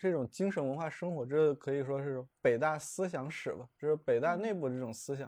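A man's dark, mellow tone shows ordinary pitch variation, heard against a quiet background. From China, Kunming, Yunnan. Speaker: writer and social media commentator. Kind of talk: casual debate.

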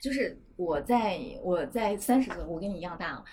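Somewhat breathy and medium in pitch, a woman talks at a moderate pace with lively intonation. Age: 30s. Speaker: listener. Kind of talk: casual chat.

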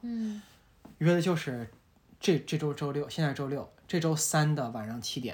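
A man's somewhat breathy voice, fairly high in pitch, with lively intonation at a moderate pace, in a very clean recording with a silent background. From Shanxi, Taiyuan (northern China). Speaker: podcast co-host. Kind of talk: casual chat.

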